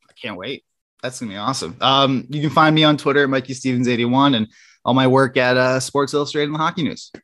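Stammering, excited male sports writer. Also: medium pitch, quick pace, no room sound, clean studio sound. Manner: enthusiastic, many restarts and stammers. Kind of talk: casual sports chat.

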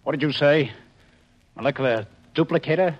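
An actor in a 1950s radio drama playing an inquisitive, level-headed police investigator with an earnest, probing manner. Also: male voice, on the high side, brisk, dull audio, natural voice. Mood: amazed.

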